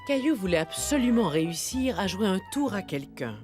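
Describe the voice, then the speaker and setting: A woman narrating a children's cartoon as a gentle, expressive storyteller, reading scripted lines. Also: medium pitch, normal speed, close to an everyday voice. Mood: gentle storytelling. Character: gentle female storyteller of a preschool tale. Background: music.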